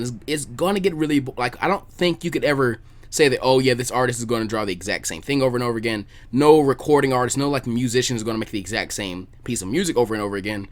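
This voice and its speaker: A man hosting a casual podcast chat, talkative and informal, repeating words as he thinks aloud. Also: mid-range voice. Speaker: podcast host, video creator.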